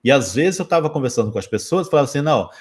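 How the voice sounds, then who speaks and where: A man's voice: mid-range voice, slightly rough. A Brazilian man, an English teacher, talking through a casual spoken lesson with a Brazilian Portuguese accent, joking and correcting himself as he goes. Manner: lively, joking, quick asides and self-corrections.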